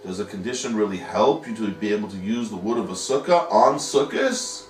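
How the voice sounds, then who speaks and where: A man's voice: lowish voice, expressive, a little fast, slight background noise. A man teaching a Talmud study lesson, patiently explaining step by step and posing rhetorical questions. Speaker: yeshiva teacher. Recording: echoey room, mic at a distance.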